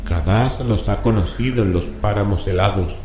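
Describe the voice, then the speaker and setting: A man's voice: lowish voice, noisy background, lightly acted. A man playing a grave, horrified scholar who reads forbidden occult scripture aloud in a solemn, ominous horror radio drama manner. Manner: slow, solemn, ominous incantatory delivery. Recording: reverberant voice with music bed.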